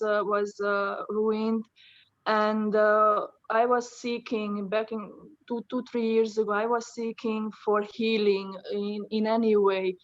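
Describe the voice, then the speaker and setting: A woman from Romania with Hungarian as her first tongue, answering interview questions in a hesitant, level voice. She pauses often with fillers. The sound is dull and lo-fi, like a video call. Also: medium pitch. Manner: hesitant, many fillers, soft-spoken. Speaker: interview guest, abstract artist.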